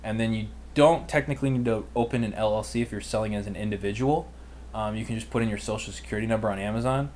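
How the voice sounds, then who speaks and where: A young American man in his twenties, host and mentor of an online business livestream, talks fast in a fairly low, slightly mellow voice. He answers viewer questions informally and with youthful slang, and there's slight background noise.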